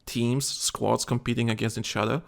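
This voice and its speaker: A man's voice: medium pitch, fairly even intonation, moderate pace, creaky. A tired man co-hosting a casual gaming chat show, rambling with many restarts and fillers. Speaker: podcast co-host.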